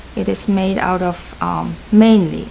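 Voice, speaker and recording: A woman with a Polish accent speaks over noticeable background noise. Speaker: orchestra violinist. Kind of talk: tutorial.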